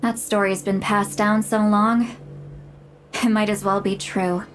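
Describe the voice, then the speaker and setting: A woman's voice: medium pitch, little pitch movement, unhurried, soft background music, close to an everyday voice. A woman voicing an ancient, proud but easily embarrassed tribal granny in a video game, talking in a flustered, self-deprecating way. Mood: candid. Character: centuries-old tribal granny, sheepish and proud.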